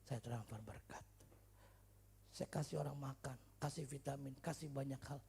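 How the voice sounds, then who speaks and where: A male pastor preaching in a church service with humor and stories, swinging from loud shouts to quiet asides. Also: mid-range voice, fairly even intonation, normal speed, vocal fry, breathy edge. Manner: humorous, storytelling, chatty slang. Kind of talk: sermon.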